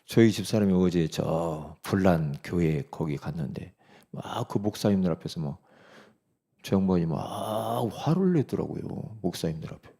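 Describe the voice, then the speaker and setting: A man's voice: low voice, animated, moderate pace, creaky, warm tone, breathy edge. A middle-aged man preaching a sermon as pastor, in a conversational way, often checking with the congregation.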